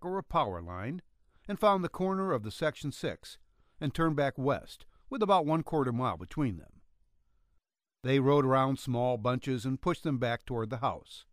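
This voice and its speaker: A man's voice: medium pitch, no echo, studio quality. A man narrating a western story as a scripted audiobook reading.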